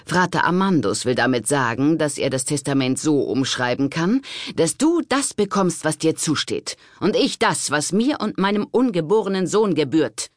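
A man's voice: on the high side, lively intonation, moderate pace, no echo, clean studio sound, pitched above the performer's own voice, natural voice. A man reading an audiobook, voicing a scheming, pregnant noblewoman with a cutting, contemptuous manner.

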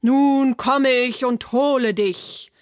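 A woman voicing a big, hideous male troll under a bridge, calling out slowly and loudly with threats. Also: high voice, fairly even intonation, dry recording. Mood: menacing. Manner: slow, loud, threatening calls.

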